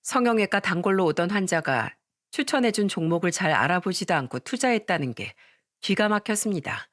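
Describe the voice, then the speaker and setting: A woman narrating a first-person story in an even, storytelling delivery. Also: on the low side, a little fast, no echo, studio quality.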